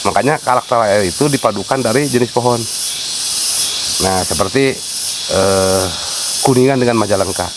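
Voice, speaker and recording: A man's voice: fairly low pitch, moderate pace, long pauses, very noisy. A man with a Sundanese accent, working as a site guide, explains things unhurriedly, with many fillers. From West Java, Sundanese. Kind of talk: casual explanatory interview. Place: outdoors at a wooded sacred site.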